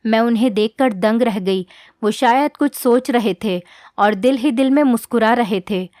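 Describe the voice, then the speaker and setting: Female narrator, earnest scripted storytelling, higher register, dry close-mic sound. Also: normal speed, darkish tone, no room sound. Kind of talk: first-person scripted storytelling.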